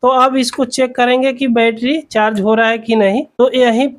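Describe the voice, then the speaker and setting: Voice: medium pitch, fairly even intonation, moderate pace. A person explaining a repair step by step in an instructional, repetitive way, as the host of a tutorial.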